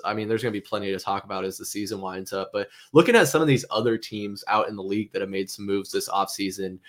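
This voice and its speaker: Brief: male co-host, low voice, rambling casual sports talk, swears freely. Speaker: podcast co-host.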